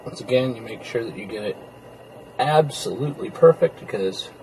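A man's voice: medium pitch, normal speed, slight background noise, poor audio. Man explaining a car trim install. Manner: relaxed, explanatory, talks while working with his hands. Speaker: car interior DIY reviewer. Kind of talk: casual how-to narration. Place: inside a car.

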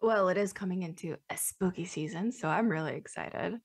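A woman co-hosting a podcast in casual chat, talkative and quick to laugh, rambling loosely between thoughts. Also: fairly low pitch, husky. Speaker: podcast co-host.

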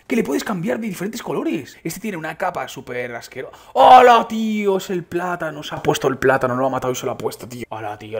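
A young man from Spain with a Spanish accent, giving excited gameplay commentary with frequent exclamations. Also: husky. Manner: excitable, exclaiming, quick shifts in pitch. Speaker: gaming YouTuber.

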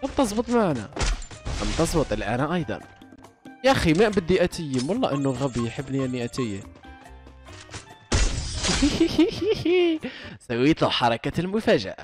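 A young man, giving excitable, boastful commentary over his own gameplay and trash-talking opponents. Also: fairly high pitch. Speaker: gaming YouTuber.

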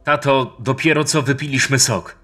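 A man's voice: medium pitch, steady tone, normal speed, sharp tone, soft background music, pitched above the performer's own voice. A male narrator voicing an exasperated, scolding middle-aged son.

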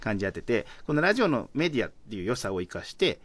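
Teasing Kansai man, expressive pitch. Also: racing, slight background noise. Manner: teasing, chuckling interviewer. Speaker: guest lawyer interviewing the host. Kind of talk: casual interview chat. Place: radio studio.

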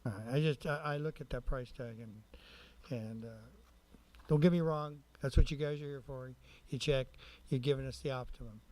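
A man with a mellow, relaxed voice at a medium pitch speaks as a council member in a public meeting. He questions in a halting way, often starting a sentence again in new words. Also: rough recording. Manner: halting, rephrases mid-sentence.

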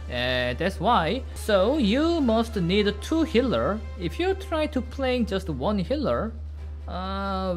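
A man in his thirties with a Korean accent, a native Korean speaker giving casual game commentary in simple, halting English. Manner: excitable, high-pitched exclamations in play, simple halting English. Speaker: game streamer. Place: indoor room at a desk, webcam beside game screen. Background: faint game music.

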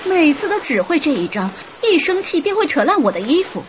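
A woman's voice: high-pitched, sing-song, fairly quick, a little hiss or hum. A woman narrating a romance audiobook in first person, telling it expressively. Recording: slightly dull audio with soft music.

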